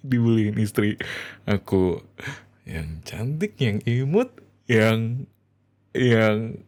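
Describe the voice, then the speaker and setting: A man performing an ASMR roleplay as an affectionate, excitable husband talking to his wife, with expressive, hesitant delivery. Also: fairly low pitch, drawn-out words.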